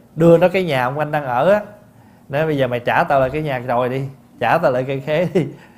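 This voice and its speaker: Fairly high-pitched and animated in tone, a man speaks with ordinary pitch variation. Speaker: Buddhist monk giving Dharma talk. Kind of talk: Dharma talk. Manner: animated, storytelling.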